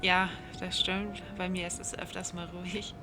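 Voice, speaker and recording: A woman in her thirties giving casual, low-key, self-deprecating commentary while she plays a video game. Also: flat delivery, moderate pace. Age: 30s. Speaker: gaming streamer. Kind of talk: casual let's play commentary. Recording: clear background noise, game ambience.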